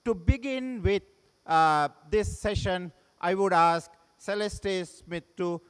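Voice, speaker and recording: A middle-aged man from Sri Lanka, moderating a panel and giving opening remarks in a halting way that repeats and restarts phrases. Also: high-pitched, smooth. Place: large conference hall. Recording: long reverb of a conference hall.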